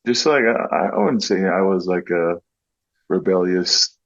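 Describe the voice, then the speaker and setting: A man's voice: low voice, measured pace, dull audio. A man in his thirties, born in American Samoa and raised in Southern California, talking casually and easily as an interview guest. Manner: relaxed, easygoing, laughs often. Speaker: guest, content creator.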